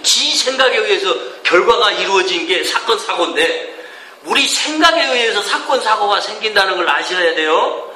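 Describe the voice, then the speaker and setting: Emphatic high-voiced man preaching. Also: pushed and bright. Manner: folksy, emphatic, asks the audience questions. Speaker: preacher teaching a course. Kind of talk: sermon-style lecture. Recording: echoey room with faint ambience.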